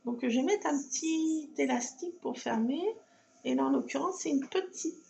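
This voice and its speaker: A scrapbooking video host with a high-pitched, gravelly and slightly mellow voice chats casually to camera at a moderate pace. Sitting at her home craft table at night, she talks to herself as she works and fusses over her cat. The low-quality recording has a little hiss or hum.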